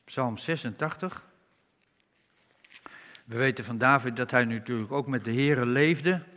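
A man preaching a sermon, reading scripture slowly and with emphasis and rising on key words. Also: mid-range voice, pushed and bright. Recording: reverberant hall.

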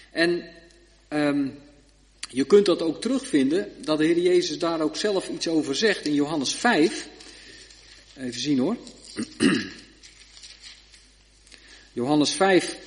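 A man giving a Bible study sermon, reading scripture aloud slowly and checking in with short tag questions. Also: on the high side. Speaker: preacher. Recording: long reverb of a hall.

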